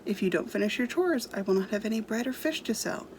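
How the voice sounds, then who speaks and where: Woman playing a gentle but firm mother. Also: medium pitch, lively intonation, fast, slight background noise, lightly acted. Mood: patient, firm. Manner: patient, instructive.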